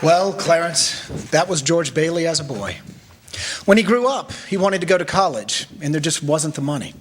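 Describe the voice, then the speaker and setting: A man playing a kindly, authoritative superintendent of angels, measured and in charge, in a staged radio drama. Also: fairly high pitch, expressive, close to an everyday voice. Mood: storytelling.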